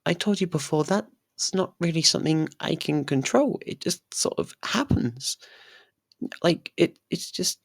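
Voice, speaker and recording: A performer voicing a possessive, lovestruck young faerie royal in an intimate ASMR roleplay, speaking softly and haltingly. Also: medium pitch, breathy edge, dry recording, studio quality. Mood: hesitant, defensive. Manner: hesitant, halting, soft and pleading.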